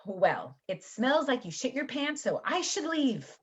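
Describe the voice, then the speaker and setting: A woman's voice: sits high, sing-song, measured pace, fairly bright tone, slightly rough, full character voice. A woman playing a cocky, trash-talking pro wrestler in a staged reading, boastful and taunting. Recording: dull lo-fi audio.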